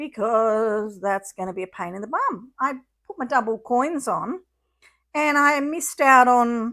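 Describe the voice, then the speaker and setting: A woman with an Australian accent speaks at a high pitch in a bright, sharp tone, at a fairly slow pace, with lively intonation and big swings in loudness. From Australia, NSW coast north of Sydney. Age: 50s. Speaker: gaming live streamer. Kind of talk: casual chat. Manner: chatty.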